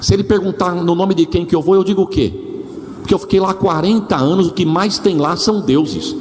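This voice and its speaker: A man speaks in an animated tone at a high pitch, with ordinary pitch variation and very even loudness. Audible room echo and noticeable background noise are present. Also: fairly quick pace. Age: 40s. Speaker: pastor. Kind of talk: sermon.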